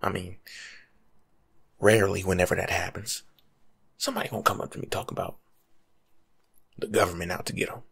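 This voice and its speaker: A young American man giving rambling, slangy ASMR life advice in a hushed, breathy voice, playful and animated, close to the mic in a room at home. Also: deep voice, brisk, long pauses. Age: young adult. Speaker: ASMR video creator. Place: small indoor room at home.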